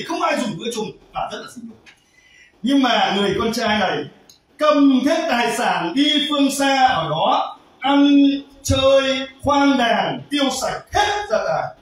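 A man preaches a sermon, his high voice leaping between soft asides and loud emphatic cries. He sounds distant from the mic. A long, booming echo fills the hall around him. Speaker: pastor. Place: church hall. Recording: very echoey hall, voice from far off.

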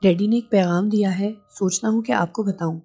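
A woman's voice: medium pitch, fairly even intonation, moderate pace, mellow, husky, faint music behind. A woman voicing an anxious younger brother on a phone call, with pleading, earnest delivery.

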